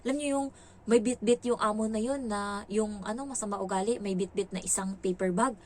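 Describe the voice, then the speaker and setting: A woman's voice: mid-range voice, a little fast, a little mellow, a little hiss or hum. A woman who works as a domestic helper, telling a story in a casual, gossipy way with frequent exclamations.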